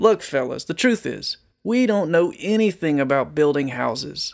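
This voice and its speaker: A man puts on a character voice, pitched high for a male, at a moderate pace in a very clean recording with a silent background. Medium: read story. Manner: nervous, earnest.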